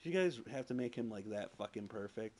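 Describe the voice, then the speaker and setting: This man has a lowish, slightly mellow voice and speaks fairly quickly and expressively while streaming a video game. He rambles crudely in casual let's-play style, leaning heavily on "like" and curse words. The sound comes through a PS4 streaming mic with noisy home audio.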